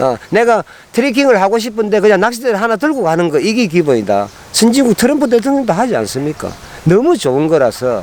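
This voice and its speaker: A man with a Gyeongsang accent, high pitch, very wide pitch swings and a fairly quick pace. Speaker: professional angler. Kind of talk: interview.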